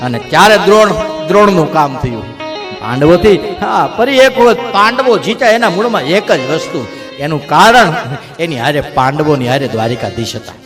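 A man's voice: a little high, animated, moderate pace, music in the background. A man giving a devotional katha sermon, telling the story dramatically and acting out the quotes. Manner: dramatic storytelling with acted quotes and brief sung lines.

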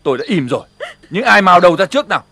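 A domineering village husband in a TV drama, bitter and commanding. His voice is gravelly and pitched high for a man, jumping sharply up and down. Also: sing-song, very fast, sharp tone, exaggerated voice. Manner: harsh, gravelly, barking commands. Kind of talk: TV drama acting.

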